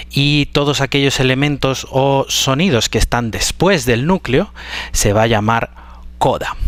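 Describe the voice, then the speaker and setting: A man teaching pronunciation, explaining syllable structure slowly and carefully, stretching out example words. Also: mid-range voice, a bit bright, no room sound. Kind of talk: explanatory lesson.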